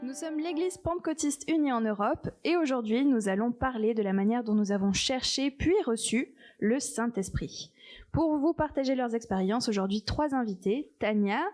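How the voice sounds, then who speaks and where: A woman's voice: a little high, normal speed, darkish tone. A woman hosting a podcast, introducing and questioning her guests in a conversational interview style. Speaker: podcast host.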